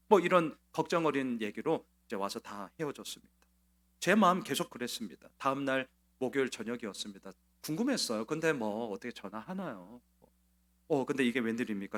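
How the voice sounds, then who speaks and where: A man preaching a Sunday sermon as pastor, telling a personal story in a conversational way with frequent "uh" fillers and repeated words. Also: mid-range voice. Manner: conversational storytelling, quoting others in a changed voice.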